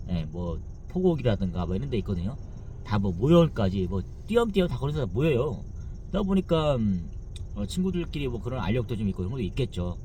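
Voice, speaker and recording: A man's voice: medium pitch, low-quality recording. A man in his forties hosting his own channel, rambling in a casual monologue with lots of fillers. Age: 40s. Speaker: channel host. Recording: loud traffic noise outdoors.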